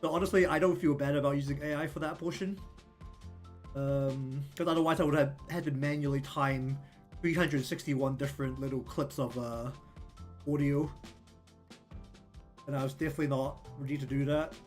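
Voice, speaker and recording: A man's voice: fairly high pitch, fairly even intonation, normal speed, pauses often. Rambling New Zealand man, casual stream chat. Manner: rambling, many ums and likes. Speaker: streamer and artist. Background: faint lofi music.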